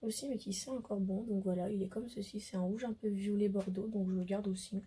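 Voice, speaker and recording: A hoarse woman with a French accent, a beauty vlogger chatting casually to camera, hesitant and full of fillers. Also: mid-range voice, fairly even intonation, fairly quick, warm tone, slight background noise. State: hoarse, losing her voice. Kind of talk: casual makeup haul chat to camera.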